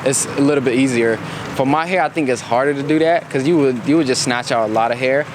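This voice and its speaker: A man's voice: mid-range voice, fast talker. Chill young guy from ethiopia, slangy rambling chat, noisy outdoor hum behind. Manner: laid-back, slangy, rambling. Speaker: guest. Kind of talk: casual chat.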